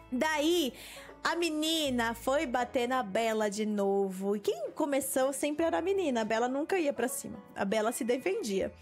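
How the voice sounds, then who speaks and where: High, lively Brazilian woman storyteller. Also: unhurried, faint music behind. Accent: Brazilian Portuguese. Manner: animated, laughing storyteller who acts out quotes. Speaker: gaming video host. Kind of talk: casual storytelling while playing a game.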